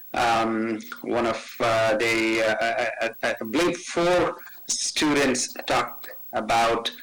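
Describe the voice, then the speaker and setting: Speaking at a very slow pace, a man with a medium-pitched voice and ordinary pitch variation keeps his loudness very even, with audible room echo and noticeable background noise. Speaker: township council member. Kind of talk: council meeting report. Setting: video call. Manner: halting, many fillers.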